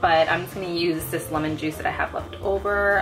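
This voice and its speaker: A woman talks at a moderate pace. Music plays clearly in the background. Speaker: home cook vlogger. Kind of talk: tutorial. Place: kitchen.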